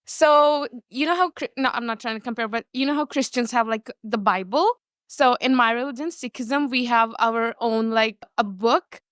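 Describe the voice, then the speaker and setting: Young female student, bubbly and laughing, fairly high voice. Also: normal speed, a bit bright, no room sound, studio quality. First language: Punjabi. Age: young adult. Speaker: student interviewee. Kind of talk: casual interview answers.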